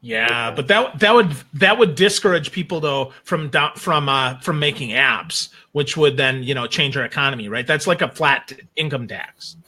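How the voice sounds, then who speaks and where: A man chatting casually as a talk show guest, with blunt, emphatic, animated opinions. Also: mid-range voice, normal speed, few pauses.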